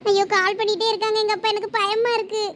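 A woman's voice: very high voice, flat delivery, fast talker, fairly bright tone, slight background noise. A young woman playing a frightened college student caught lying to her father, anxious and pleading. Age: young adult. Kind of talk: village comedy skit acting.

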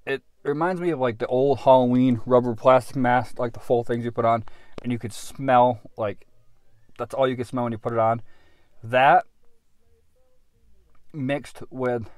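A man in his thirties giving a casual off-the-cuff product review, halting and unhurried as he thinks aloud, recorded in a car. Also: medium pitch, steady tone, a little mellow, no room sound. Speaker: pipe tobacco reviewer. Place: inside a parked car.

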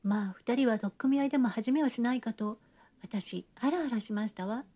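A fussy, theatrical society lady pours out gossip in an endless stream of refined, breathless sentences, as a woman narrator puts her on. The voice sits a little high but sounds mellow and soft. It is a classic-novel audiobook. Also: a little fast, natural voice. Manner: gushing, breathless chatter with refined feminine endings. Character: chattering, theatrical genteel lady, middle-aged.

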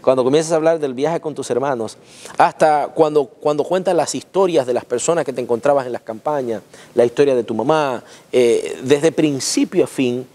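A man's voice: mid-range voice, mellow. A man in his thirties interviewing an author, stumbling and repeating words as he praises the book. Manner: halting, repeats words, admiring. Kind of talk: interview questions. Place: dim church sanctuary. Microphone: lapel.

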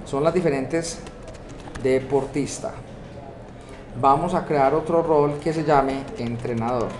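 A man's voice: mid-range voice, slow. Colombian man teaching in an echoey room. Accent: Colombian Spanish. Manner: explains step by step, asks rhetorical checks. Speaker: software course instructor. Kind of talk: screen-recorded coding tutorial. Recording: echoey room with steady background noise.

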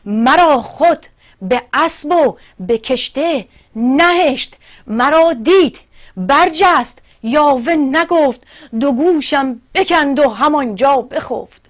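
Woman doing an indignant shouting field guard. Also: high-pitched, expressive, pitched above the performer's own voice. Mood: aggrieved complaint. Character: angry complaining male field guard, middle-aged.

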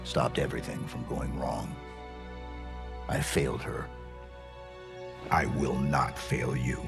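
An actor playing a stoic armoured supersoldier in a video game, terse, solemn and restrained, with a gravelly voice. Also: male voice, rumbling low, little pitch movement, takes it slowly, music in the background, full character voice. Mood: solemn regret. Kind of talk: understated video game hero acting.

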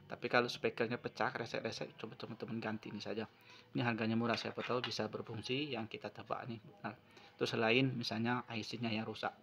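A man's voice: medium pitch, flat delivery, fast, fairly bright tone, a little hiss or hum. A man narrating an unscripted hands-on repair tutorial, explaining step by step and often repeating himself. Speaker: phone repair tutorial presenter. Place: at a wooden table indoors.

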